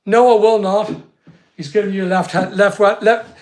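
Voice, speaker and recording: A man's voice: high-pitched, steady tone, normal speed, darkish tone. A middle-aged man with a Northern Irish accent, chatting casually to his channel while directing a helper at work, recorded from a distance in an echoey room. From England. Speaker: channel host. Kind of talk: casual chat while working. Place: studio room under construction, indoors. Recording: echoey room, distant mic, faint noise.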